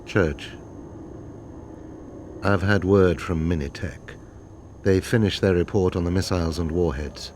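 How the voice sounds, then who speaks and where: An actor playing a stern, world-weary intelligence chief in a game cutscene, speaking in a terse, blunt, assured way. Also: male voice, low voice, a little slow, pauses often, a little mellow, slight background noise. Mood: terse, grim. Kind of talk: video game cutscene acting.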